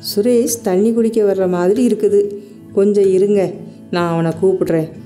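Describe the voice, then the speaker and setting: A middle-aged woman plays a mother struggling with money in a radio drama. She speaks in a pleading, practical way, with a very dark, mellow tone and a mid-range pitch. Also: moderate pace, soft background music, lightly acted.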